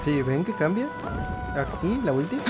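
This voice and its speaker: A man's voice: a little high, sing-song, moderate pace. A man with a Mexican accent giving casual, slangy gameplay commentary. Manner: informal, slangy. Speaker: gaming video host. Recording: game music behind the voice.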